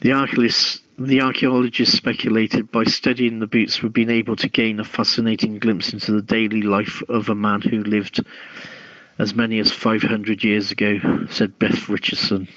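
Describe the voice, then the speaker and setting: A man hosting a talk show, reading news stories aloud with a halting delivery and repeated words, through a dull microphone. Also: fairly low pitch, little pitch movement, fairly bright tone, dry recording. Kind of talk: reading a news article aloud, with casual chat.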